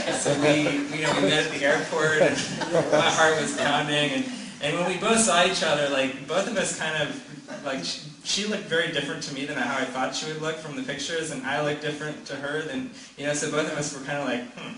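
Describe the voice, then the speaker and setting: A man casually telling a personal story to a group, rambling, with restarts, lots of "like", and frequent laughs. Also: on the high side. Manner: rambling, many restarts and fillers, laughs often. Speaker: gathering participant sharing a story. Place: gathering in a room. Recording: echoey room, mic far off, background noise.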